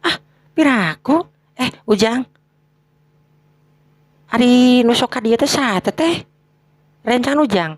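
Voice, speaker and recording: A woman's voice: on the high side, expressive, takes it slowly, pauses often, no room sound, pitched above the performer's own voice. A performer voicing a middle-aged village shopkeeper woman in a story, chatty and nosy, with a Sundanese accent. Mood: curious, gossipy. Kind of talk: acted dialogue in a Sundanese storytelling.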